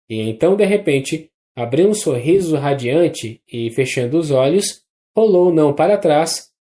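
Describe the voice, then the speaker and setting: Mellow Brazilian audiobook narrator. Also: mid-range voice. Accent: Brazilian Portuguese. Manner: measured, even reading with small restarts. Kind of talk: scripted literary narration.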